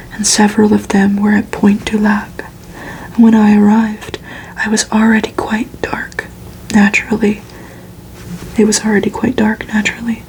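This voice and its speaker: A woman reading a story aloud in a hushed, unhurried, soothing ASMR whisper, as if for relaxation. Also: mid-range voice, a little hiss or hum, low-quality recording. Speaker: ASMR reader.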